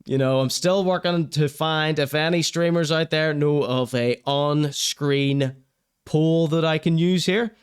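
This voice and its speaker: A man's voice: on the high side, measured pace, smooth. Blunt Northern Irish male streamer. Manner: wry, blunt, swears casually, laughs at his own jokes. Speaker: show host. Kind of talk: casual live-stream chat, reading comments.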